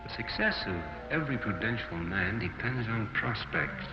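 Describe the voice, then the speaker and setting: Low-voiced man in an echoey old film. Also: lively intonation, normal speed, over music. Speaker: speaker in a sales training film. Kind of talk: 1940s film dialogue, reciting. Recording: echoey, noisy, lo-fi 1940s film sound.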